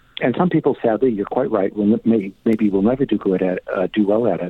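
This man speaks with an American accent at a fairly quick pace. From Chicago. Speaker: author. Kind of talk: radio interview. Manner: hesitant, fillers.

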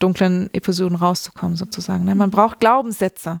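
A woman speaks in a monotone, flat intonation on a very clean recording with a silent background, the sound dry and close with no echo. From Germany, East Westphalia-Lippe. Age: 40s. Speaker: educator, former missionary. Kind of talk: interview. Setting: studio.

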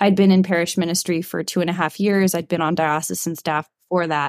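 At a fairly quick pace, a woman uses an ordinary speaking voice with fairly even intonation, the sound dry and close with no echo on a very clean recording with a silent background. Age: 30s. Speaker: Episcopal priest. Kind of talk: casual interview chat.

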